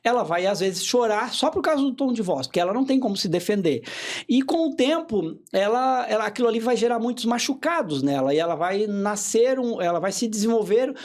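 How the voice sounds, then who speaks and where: A man, a hypnotherapist guest on a podcast interview, explaining in a calm, teaching way and often checking in with short tag questions. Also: high voice, a little fast.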